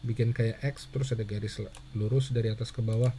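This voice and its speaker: A man teaching a handwriting lesson, patient and steady, who asks questions and answers them himself. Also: lowish voice, fast talker, slight background noise. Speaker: Russian language teacher.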